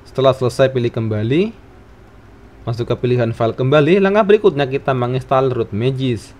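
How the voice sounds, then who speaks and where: A man's voice: mid-range voice, brisk, a little mellow, faint music behind. A man narrating a scripted tech tutorial, giving instructions phrase by phrase.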